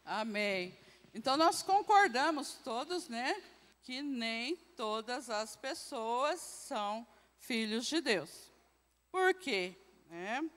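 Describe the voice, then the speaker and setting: A woman's voice: a little high, lively intonation, slow, fairly bright tone. Brazilian woman teaching a church class. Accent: Brazilian Portuguese. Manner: questions the class, frequent tag "né". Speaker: Sunday school teacher. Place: church hall. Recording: long reverb in a church hall.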